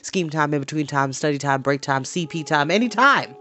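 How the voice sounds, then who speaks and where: A man hosting a storytime, chatty and animated, moving between casual talk and story reading. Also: fairly high pitch, brisk. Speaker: storytime host and reader. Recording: music playing in the background.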